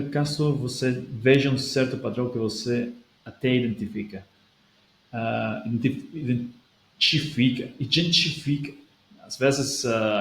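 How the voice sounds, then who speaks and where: Gravelly-voiced man in an echoey room. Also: mid-range voice. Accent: non-native speaker of Portuguese, European Portuguese leaning. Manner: thinks aloud with restarts, switches into Portuguese. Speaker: language-learning video host. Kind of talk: casual talk, reading out and answering a viewer comment. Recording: echoey room with faint background noise.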